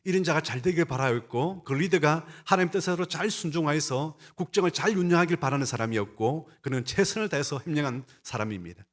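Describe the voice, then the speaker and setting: A man's voice: a little high, fast, few pauses. A male pastor preaching a sermon and speaking straight to his congregation, with an emphatic delivery that rises and falls. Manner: emphatic, rising and falling delivery; talks to the congregation directly.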